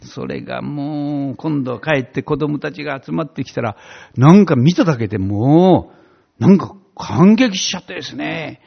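A man preaching and telling his own testimony in a heartfelt, animated way, on a dull lo-fi recording. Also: a little high, normal speed, gravelly. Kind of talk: personal testimony sermon.

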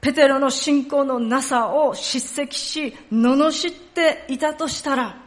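A woman pastor delivers a sermon in a fairly high voice. She tells the story with expressive emphasis and lowers her voice to a hush at solemn moments. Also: takes it slowly. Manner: storytelling, acts out quoted lines and dialects; drops to a hushed tone for solemn passages.

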